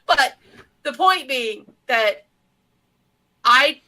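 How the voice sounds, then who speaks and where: Bright, high-voiced woman chatting casually. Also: expressive, extremely slow, poor audio. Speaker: podcast co-host. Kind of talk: casual chat, telling anecdotes.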